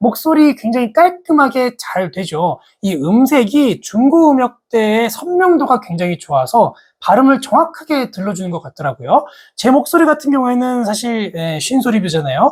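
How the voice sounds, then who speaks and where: Words arrive at a moderate pace. The audio is very clean, over a silent background. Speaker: tech reviewer. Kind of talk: product review. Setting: studio. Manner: casual, conversational.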